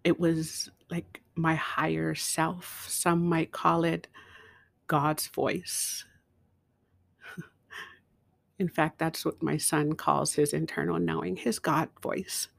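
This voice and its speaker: A woman telling a personal story in a slow, emotional way, with dramatic pauses. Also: sits low, little pitch movement, creaky, no echo. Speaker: speaker.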